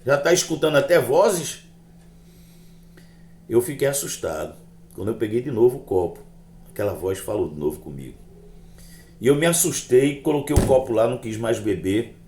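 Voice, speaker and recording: A man's voice: fairly low pitch, a little fast, reverberant, slight background noise. A man, a chaplain telling his conversion testimony in sermon style and acting out the conversations. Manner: animated storytelling, acting out dialogue with raised voice.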